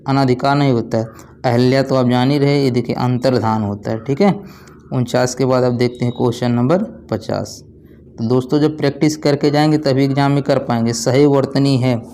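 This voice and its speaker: A man's voice: mid-range voice, warm tone, slight background noise. Man drilling exam answers call-and-response. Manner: repetitive call-and-response, asks then answers himself. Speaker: Hindi exam tutor. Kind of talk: online exam-prep lesson.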